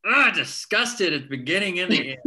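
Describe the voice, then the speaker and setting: A man's voice: sits high, pushed and bright. A man in a table read cast, reacting bluntly and animatedly to the story.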